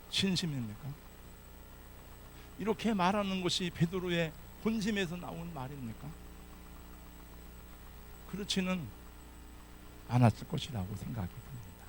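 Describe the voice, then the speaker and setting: A man's voice: fairly high pitch, animated, unhurried, long pauses, slight background noise. A man preaching a sermon as a pastor, telling the story dramatically and acting out the characters' lines.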